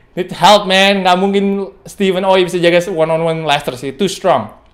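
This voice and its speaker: An animated man talks at a moderate pace with a high pitch. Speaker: basketball YouTuber. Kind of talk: sports commentary, reaction video over game highlights. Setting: solo recording reacting to video. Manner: animated, excitable play-by-play; code-switching between Indonesian and English, casual.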